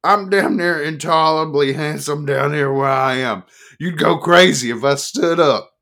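A man's voice: a little high, a little slow, a bit bright, pitched above the performer's own voice. A man voicing a pompous, drunken male magazine reporter. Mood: snappish.

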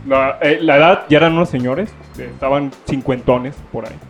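A man's voice: mid-range voice, steady tone, over music. A man with a Mexican accent tells a story in casual, slang-heavy chat and acts out what people said. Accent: Mexican Spanish. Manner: rapid slangy storytelling, acting out quoted lines. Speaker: storyteller among friends.

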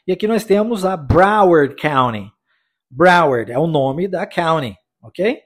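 Male podcast English teacher, high husky voice, patient explainer who drills phrases. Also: expressive, measured pace. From United States. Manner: explanatory, repeats phrases for the listener to practise. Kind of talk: podcast language lesson.

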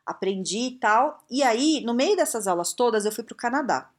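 A woman's voice: fairly high pitch, lively intonation, moderate pace. A woman from Brazil giving frank, blunt career advice straight to the viewer, full of rhetorical questions. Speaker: career and English-learning advice speaker. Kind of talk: casual direct-to-viewer advice talk.

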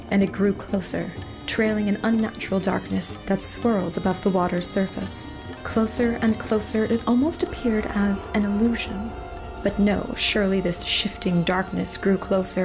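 A woman telling a horror fantasy story as game master, dramatic, vivid and suspenseful. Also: mid-range voice. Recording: music bed under voice. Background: music.

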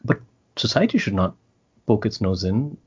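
A middle-aged man with a South Asian accent holds forth in casual, articulate conversation. His voice is lowish and husky, and he slips between English and Hindi-Urdu. The audio is slightly dull. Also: very animated. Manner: articulate, deliberate phrasing, swears freely.

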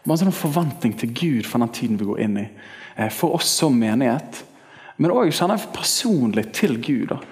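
A thirty-year-old male pastor preaches to his congregation, swinging between chatty storytelling and sudden excited highs. His voice sits in an ordinary middle register. He speaks into a stage microphone at a church service. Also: in a large hall. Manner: lively storytelling, pitch jumping up when excited. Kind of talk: sermon.

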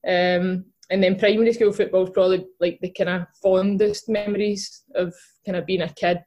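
A woman's voice: mid-range voice, little pitch movement, normal speed, a little mellow, muffled recording. A young woman with a Glaswegian accent, a guest chatting casually in an interview, with lots of fillers and restarts. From Scotland. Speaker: guest, footballer and podcast co-host.

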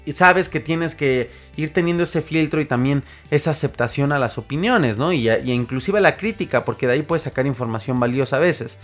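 A man with a Mexican accent, a podcast host and singer, telling stories in a casual, animated monologue full of fillers and restarts. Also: on the high side, brisk, hardly any pauses, faint music behind. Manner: animated storyteller, acts out quoted voices, frequent fillers and restarts.

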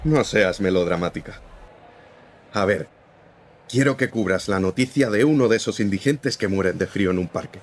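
A man's voice: lowish voice, moderate pace, lightly acted. An actor playing a firm, principled newspaper editor-in-chief who lectures his young reporter in a radio drama. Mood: earnest. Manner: firm, lecturing, morally serious.

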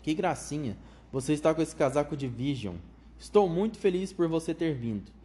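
Gushing with delight, a man playing an eccentric chocolate factory owner fires off quick, enthusiastic welcomes in a high, flute-like tone, acted only lightly.

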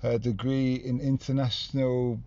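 A man's voice: mid-range voice, flat delivery, normal speed, dark tone, highs cut off. A man hosting a casual, spontaneous interview inside a taxi, asking loose conversational questions. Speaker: podcast host interviewing taxi passengers.

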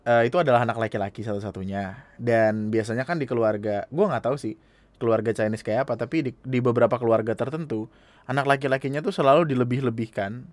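A man with hosting a casual podcast, reading a listener's email aloud and chatting in an animated, laughing way with plenty of swearing. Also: medium pitch, fast talker, no room sound. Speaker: podcast host.

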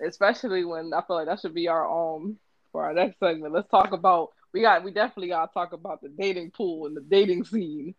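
A woman's voice: fairly low pitch, quick pace, no echo, muffled recording. A woman with an African American accent in casual, playful podcast banter, full of slang. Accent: African American English. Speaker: podcast co-host; bartender.

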